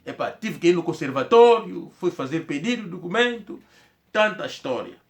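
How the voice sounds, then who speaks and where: Man, slightly high voice, casual rambling storyteller who repeats himself and acts out what people said. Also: sing-song, moderate pace, gravelly. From Angola. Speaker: commentator telling a personal story.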